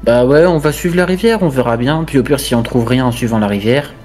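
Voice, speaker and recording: A man's voice: mid-range voice, a little fast, darkish tone. A man with a mid-range voice talks as a player in a tabletop game. His chat is casual, blunt and joking, and music plays faintly underneath. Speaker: tabletop role-playing player.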